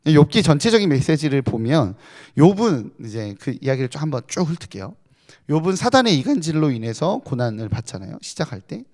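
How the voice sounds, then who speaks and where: A man's voice: a little high, a little mellow. A male pastor giving a conversational sermon at a night prayer meeting, explaining scripture in a chatty way and asking rhetorical questions.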